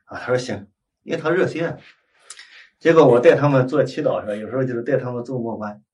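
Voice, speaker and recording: A man preaching as a Catholic priest, telling a story with lively acted-out dialogue and frequent tag questions to his listeners. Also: medium pitch, quick pace. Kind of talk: storytelling sermon. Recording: voice heard from a distance.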